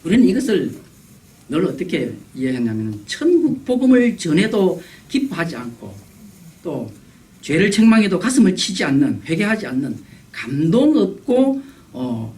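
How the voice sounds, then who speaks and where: Animated male pastor, heard from afar. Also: fairly high pitch, moderate pace, distant mic, low-quality recording. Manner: animated preaching, acting out quoted voices. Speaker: guest pastor. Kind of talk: revival sermon. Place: church sanctuary.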